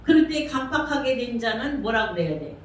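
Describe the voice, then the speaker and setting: A woman pastor's slightly high, sing-song voice moves a little fast through a conversational sermon, with questions put to the congregation. Slight background noise accompanies the distant, very echoey recording from a church sanctuary.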